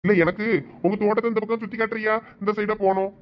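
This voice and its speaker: A man's voice: high voice, level tone, fast, a little hiss or hum, lightly acted. A man voicing a sly, scheming young man in a cartoon, with a Thoothukudi Tamil accent. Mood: coaxing. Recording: dull lo-fi sound.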